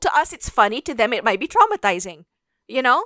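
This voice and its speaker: The delivery runs at a fairly quick pace with very wide pitch swings. The sound is dry and close, with no echo. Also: woman. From Philippines. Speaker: podcast host. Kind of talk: casual chat, react commentary.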